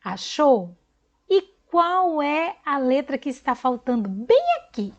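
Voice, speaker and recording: A woman teacher speaks slowly to small children in a high, lively voice, spelling out letters one by one and praising each answer. Her voice is recorded with dull, lo-fi sound. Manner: slow, encouraging, spells out letters and counts syllables. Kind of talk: recorded online class for young children.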